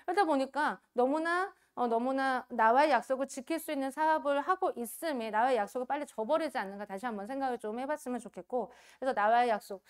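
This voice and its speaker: A woman giving a motivational business training talk, animated and acting out quoted voices. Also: high voice.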